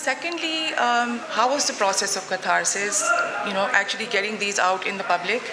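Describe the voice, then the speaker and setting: A woman's voice: medium pitch, moderate pace, a loud crowd. A woman moderating a live book panel, putting questions together hesitantly in short fragments, over an echoey, noisy PA. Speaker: moderator interviewing an author. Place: literary festival stage in a garden venue. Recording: echoey reverberant festival PA, noisy ambience.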